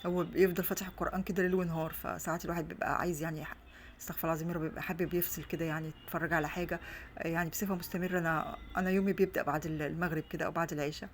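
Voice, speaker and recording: A woman's voice: fairly low pitch, steady tone, racing, slight background noise. A middle-aged Egyptian woman and mother chatting casually through a home vlog, rambling with many restarts, recorded on a phone on a stand. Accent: Egyptian Arabic. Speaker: vlogger and mother. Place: her home, indoors.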